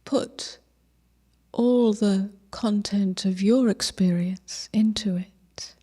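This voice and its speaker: Woman meditation teacher, really slow n gentle, mellow soft voice, lots of pauses, kinda breathy endings. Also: mid-range voice, fairly even intonation. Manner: gentle, unhurried, with long pauses. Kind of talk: guided meditation.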